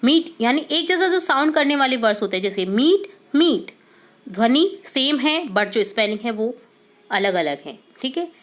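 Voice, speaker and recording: A woman teacher going through quiz answers step by step, asking questions and answering them herself, reading English questions slowly and deliberately. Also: high voice, very animated, fairly bright tone. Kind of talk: quiz answer walkthrough lesson.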